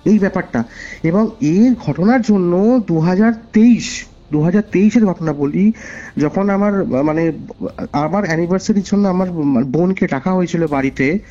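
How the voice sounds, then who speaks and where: This caller, a man with a Bengali accent from West Bengal, India, has a high voice with a dark tone and speaks at normal speed. He shares a personal story conversationally, earnestly repeating phrases for emphasis. The call sounds dull and lo-fi, with music behind it.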